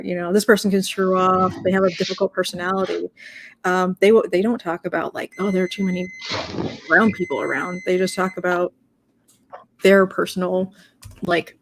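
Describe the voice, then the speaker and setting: Woman, low pitch, flat delivery, rambling, lots of fillers. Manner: rambling, many fillers and restarts. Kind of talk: casual discussion.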